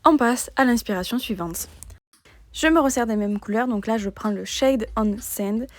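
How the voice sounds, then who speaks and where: A woman calmly narrating a step-by-step nail art tutorial as a voice-over, in a plain explaining tone. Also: fairly high pitch, moderate pace, no room sound.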